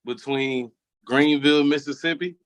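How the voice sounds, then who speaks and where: A man's voice: on the high side, fairly even intonation, normal speed, dry recording. A man from Memphis talks frankly and reflectively as an interview guest. His voice comes through dry and close, without any room sound. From Memphis, Tennessee. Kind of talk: casual interview.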